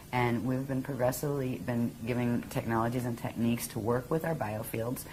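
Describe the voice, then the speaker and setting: Noticeable background noise sits behind a woman with an American accent. She talks at a fairly quick pace in a very deep, low pitch. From Pennsylvania, US. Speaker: spiritual teacher. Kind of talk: interview. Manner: fast.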